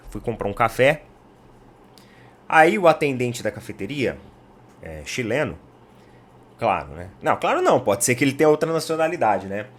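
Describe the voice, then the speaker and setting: A Brazilian-accented man of medium pitch hosts a casual football talk show. He chats in an animated way and turns straight to his audience. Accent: Brazilian Portuguese. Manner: chatty and animated, addresses viewers directly. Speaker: football commentary channel host.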